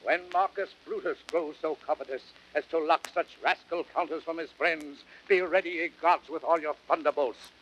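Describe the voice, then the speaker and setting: A man's voice: on the high side, steady tone, fairly bright tone, natural voice. Man acting a stern, proud Roman general, noisy recording. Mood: indignant, scornful. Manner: declamatory, measured theatrical verse delivery. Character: Brutus, proud, stern, honour-bound Roman general, stoic in grief. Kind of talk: classical Shakespearean audio drama acting. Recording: noisy vintage drama record.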